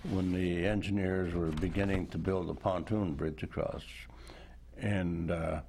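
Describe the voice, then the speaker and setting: Old guy in his 90s telling war memories, real deep gravelly voice, slow with lots of uhs. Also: a little mellow. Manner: unhurried, thoughtful, with frequent pauses and "uh"s. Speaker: war veteran and author. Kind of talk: interview guest recounting memories. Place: indoor television studio.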